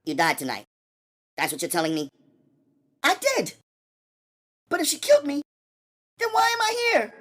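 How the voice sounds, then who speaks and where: A man voicing a tough, streetwise young New woman who talks brashly and fast. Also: extremely high pitch, huge pitch swings, fairly bright tone, pitched above the performer's own voice, heavily acted. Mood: indignant. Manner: brash, rapid-fire, indignant. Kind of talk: audiobook character voice.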